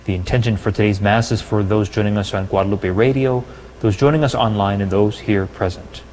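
A man's voice: fairly low pitch, steady tone. Man intoning prayers in a reverberant chapel. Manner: measured, solemn prayer cadence. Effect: long cathedral-like reverb of a chapel. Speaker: priest. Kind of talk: liturgical recitation at Mass. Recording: reverberant chapel with faint hum.

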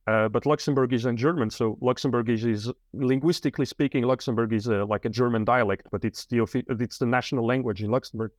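A man's voice: medium pitch, steady tone, fast, hardly any pauses, no room sound, clean studio sound. Man, thoughtful. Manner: thoughtful, hesitant, many fillers and restarts. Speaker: interview guest, author. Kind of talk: casual interview conversation.

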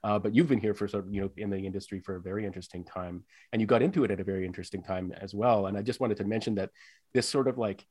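A man hosting an interview podcast, talking quickly and thoughtfully in long winding sentences. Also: lowish voice, fairly even intonation, darkish tone, no room sound. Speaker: podcast host.

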